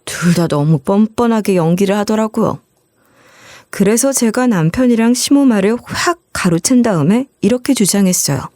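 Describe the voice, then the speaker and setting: A woman's voice: medium pitch, expressive, moderate pace, mellow, no echo. A woman narrating a first-person story in a conversational, scripted way. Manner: conversational retelling.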